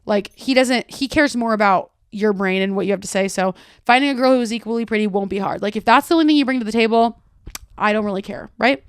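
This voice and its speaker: A woman's voice: medium pitch, quick pace, smooth, dry recording, studio quality. A woman hosting a casual solo podcast, chatty and loose, talking through song lyrics line by line with lots of "like" and "kinda". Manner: full of filler words like "like" and "kinda". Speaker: podcast host.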